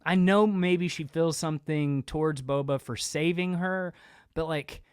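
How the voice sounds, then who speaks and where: A man's voice: fairly high pitch, a little slow, clear, resonant tone, no echo, clean studio sound. A man hosting a podcast, talking casually and earnestly in informal, rambling explanations. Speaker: podcast host.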